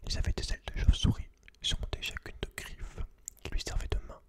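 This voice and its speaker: A man speaks in a breathy, voiceless whisper, hosting ASMR. He moves between reading aloud and informal, slangy remarks addressed straight to the listener. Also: fairly quick. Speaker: ASMR video host.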